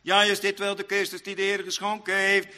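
A man preaching a sermon in old-fashioned churchly phrasing, rambling, repeating himself and pausing with many fillers. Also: high voice, monotone, bright, forceful tone, long reverb tail.

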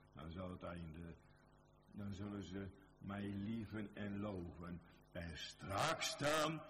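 A man's voice: deep voice, slight background noise. A man with a Dutch accent preaching a fervent sermon, repeating phrases and speaking back and forth with God. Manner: fervent, repetitive, dialogue with God.

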